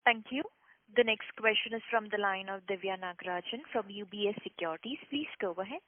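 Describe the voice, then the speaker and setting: A woman's voice: medium pitch, a little fast, no echo. A woman working as a conference call operator, reading out formal scripted announcements between questions. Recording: dry, tinny phone line.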